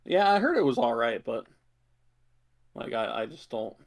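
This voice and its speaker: A man co-hosting a podcast, chatting casually about movies in a low-key, hesitant way. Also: big pitch swings, moderate pace. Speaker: podcast co-host.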